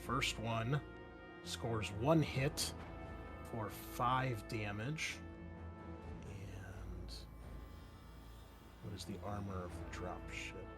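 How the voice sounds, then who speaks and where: A man's voice: on the low side, steady tone, extremely slow, pauses often. A man running a tabletop roleplaying game as game master, narrating and explaining rules in an encouraging, conversational way. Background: music under the voice.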